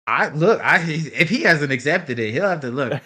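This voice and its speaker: A man talking as a podcast guest in casual conversation, emphatic and animated, swearing freely. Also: on the high side, normal speed.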